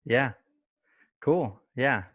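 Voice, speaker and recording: A man's voice: mid-range voice, lively intonation, extremely slow, a bit bright, no room sound, highs cut off. A man hosting a casual interview podcast, rambling with lots of fillers and restarts. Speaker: podcast host.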